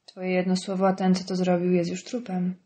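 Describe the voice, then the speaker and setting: A crude male prison inmate who taunts and jeers at his cellmates, read by a woman. His voice sits low and mellow, with a vulgar, needling delivery in an audiobook reading. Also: monotone, a little fast, a little hiss or hum, close to an everyday voice. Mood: taunting.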